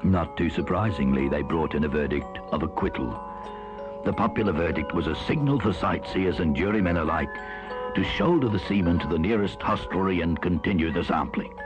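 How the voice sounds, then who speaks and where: Very deep male storytelling announcer. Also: fairly quick. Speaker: radio announcer. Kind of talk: scripted historical narration. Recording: muffled 1970s radio aircheck. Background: mallet music.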